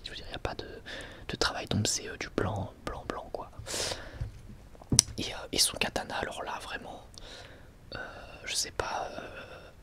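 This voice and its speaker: Whispering Frenchman doing casual ASMR. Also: fairly low pitch. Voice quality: unvoiced, breathy whisper. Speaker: ASMR video host.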